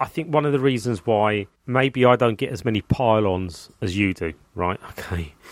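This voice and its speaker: In a very clean recording with a silent background, a man speaks with an English accent. His pace is moderate and his intonation lively. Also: fairly low pitch for a man. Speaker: football blogger. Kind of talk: casual chat. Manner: halting.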